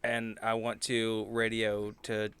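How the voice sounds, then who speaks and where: A man's voice: on the low side, monotone, slow pace, fairly bright tone, smooth. A man casually describing his moves as a player in a tabletop roleplaying game, music behind him. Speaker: player on an actual-play podcast. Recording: background music under the voice.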